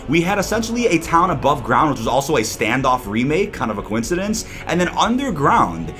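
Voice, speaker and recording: Animated male gaming YouTuber over music. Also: a little high. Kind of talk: scripted gaming news commentary. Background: background music.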